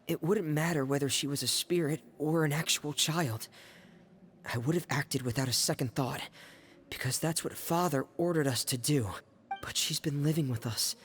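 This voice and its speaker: A man doing a soft-spoken, guarded young man. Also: fairly high pitch, moderate pace, a little hiss or hum, natural voice. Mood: earnest. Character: quiet, reserved young man, guarded and earnest.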